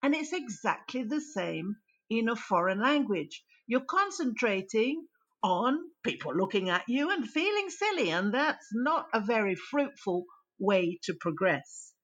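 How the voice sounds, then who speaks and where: A woman's voice: a little high, very animated, measured pace. A woman language teacher answering interview questions in a thoughtful, explanatory way. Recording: muffled lo-fi line.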